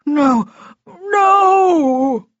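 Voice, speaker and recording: A woman's voice: high-pitched, expressive, drawn-out words, no echo, dull audio, voice pushed up, full character voice. A woman voicing a villainous froglike male fae lord in an audiobook, gabbling and protesting in panic. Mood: desperate pleading.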